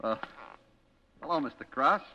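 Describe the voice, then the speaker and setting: Nervous young American clerk, old-time radio. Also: male voice, fairly high pitch, expressive, normal speed, pushed and bright, lo-fi sound, heavily acted. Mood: uneasy. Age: young adult. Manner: slangy, confiding, stammering when cornered. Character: nervous young market clerk having a secret affair, telling his story. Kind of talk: 1940s-50s American radio suspense acting.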